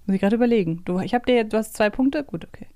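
A woman's voice: fairly high pitch, rapid-fire, dark tone, no room sound, studio quality. A woman hosting a podcast, chatting casually as she plays a quiz with a co-host. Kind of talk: casual chat.

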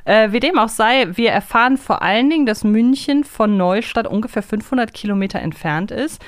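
A woman's voice: a little high, lively intonation, fairly quick, no echo, clean studio sound. A woman co-hosting a casual fan podcast, conversational and ready with her own opinions. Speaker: podcast co-host.

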